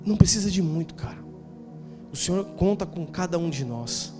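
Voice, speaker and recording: High-voiced Brazilian pastor preaching. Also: male voice, animated, normal speed, music in the background. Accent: Brazilian Portuguese. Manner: conversational storytelling with rhetorical questions, slangy asides. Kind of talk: sermon. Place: church.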